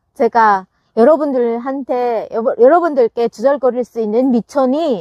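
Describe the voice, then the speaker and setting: A woman's high-pitched voice at a fairly slow pace, with ordinary pitch variation and a dry, close sound with no echo. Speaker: farmer and vlogger. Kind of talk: casual vlog talk. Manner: halting, many self-corrections.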